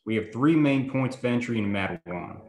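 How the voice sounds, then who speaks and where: A man's voice: medium pitch, expressive, normal speed, a little mellow, reverberant, slight background noise, lightly acted. A man reading the part of a blunt, defiant man leading strike plans, with some cursing, at a table read. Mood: determined.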